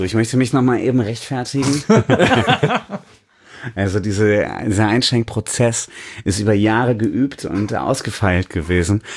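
A gravelly, slightly husky man talks in a loose, rambling way, full of fillers and little jokes at his own expense. His voice sits a bit low, and the chat is easygoing. He sounds like a podcast co-host having a casual beer tasting. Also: darkish tone. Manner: rambling, self-mocking, many fillers.

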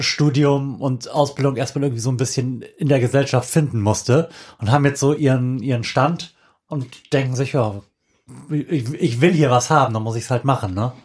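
Male podcast host, medium pitch, wry and wordy in casual chat. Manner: wordy, ironically elaborate phrasing.

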